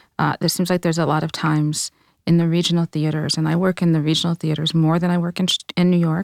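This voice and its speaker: The voice runs at a very fast pace in a monotone, flat intonation with very even loudness. The sound is dry and close with no echo, on a very clean recording with a silent background. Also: woman, fairly low pitch for a woman. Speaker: playwright and educator. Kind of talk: panel discussion. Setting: studio in New York.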